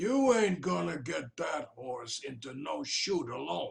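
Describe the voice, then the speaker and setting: A raspy put-on character voice from a man, fairly high in pitch and at a fairly slow pace. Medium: stage play. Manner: blunt, drawling.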